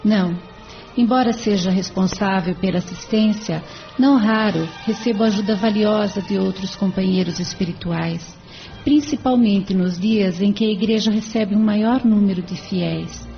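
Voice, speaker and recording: An actress playing a kindly female spirit who watches over a chapel, speaking with warm devotion. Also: medium pitch, moderate pace, vocal fry, faint music behind, close to an everyday voice. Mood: devoted. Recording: dull lo-fi radio recording.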